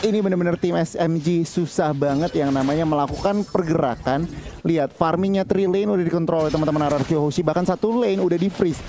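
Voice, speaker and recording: A man's voice: a little high, fast, mellow. An Indonesian man giving live esports analysis as a commentator, over background noise.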